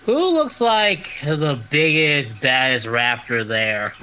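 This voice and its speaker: A man voicing an excitable, playful elf with a Christmas-elf sound in a tabletop game. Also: mid-range voice, slow, slight background noise. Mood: playful, brash. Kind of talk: tabletop role-play.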